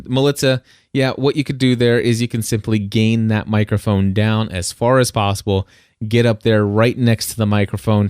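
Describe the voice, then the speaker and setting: A man hosting a podcast, giving casual how-to advice in a loud voice with many fillers and restarts, talking close to a studio microphone in his home studio. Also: medium pitch, clean tone, no echo. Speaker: podcast host. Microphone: dynamic studio mic up close.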